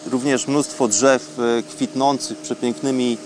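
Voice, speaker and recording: A man hosting a programme, talking unscripted as in an audio travel diary, with halting, reflective phrasing. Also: mid-range voice, little pitch movement. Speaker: radio programme host. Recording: faint background ambient noise.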